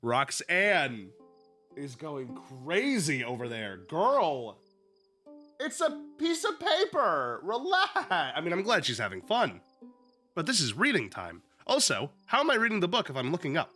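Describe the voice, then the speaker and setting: A man's voice: on the high side, huge pitch swings, a little slow, pushed and bright, faint music behind. A young man with a sniffly, slightly sick voice, chatting casually at home and reading a book aloud on a stream, joking and swearing freely. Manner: loose, joking, swears freely, lots of fillers. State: sniffly, still a little sick. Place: at home with his dog.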